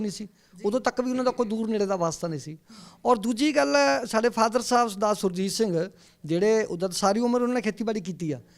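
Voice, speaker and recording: This very clean recording has a silent background. A man speaks with lively intonation at a high pitch and a moderate pace. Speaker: farmer's son in family interview. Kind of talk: news interview.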